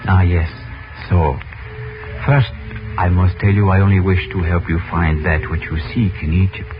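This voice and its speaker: An actor playing a mysterious, flattering Arab prince in a 1940s radio drama, speaking in formal, flowery, deliberate phrases. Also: male voice, low-pitched, over music, lightly acted. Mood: measured, enigmatic. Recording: muffled vintage radio recording.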